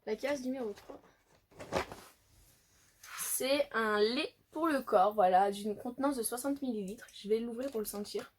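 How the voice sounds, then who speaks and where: A woman talks casually as she unboxes, thinking aloud and filling pauses as she goes. Her voice sits a little high. A faint noise runs under the recording. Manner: chatty, thinking aloud with many fillers. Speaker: beauty vlogger.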